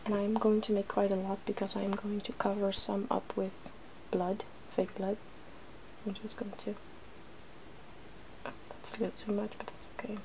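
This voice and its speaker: A woman hosting a casual ASMR makeup demonstration, soft-spoken and often dropping into a whisper. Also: mid-range voice, completely flat delivery, moderate pace, poor audio. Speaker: ASMR video host. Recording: faint background noise.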